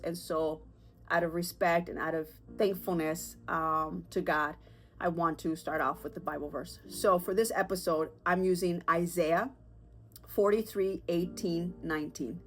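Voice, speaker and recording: This podcast host has a fairly low but fairly bright voice and is clearly sick, stuffed up with a sore throat. On her casual solo show she talks candidly and chattily, rambling with fillers and nervous laughs.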